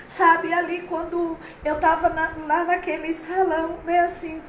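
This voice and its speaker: A woman's voice: very high voice, level tone, measured pace, reverberant, a little hiss or hum, low-quality recording. A woman pastor, preaching a heartfelt, conversational sermon on a livestream, with many fillers.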